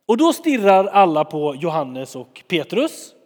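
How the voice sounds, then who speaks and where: A man preaching a sermon in a lively, chatty way, retelling stories and acting out scenes. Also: high voice, in a large hall. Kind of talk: sermon, storytelling.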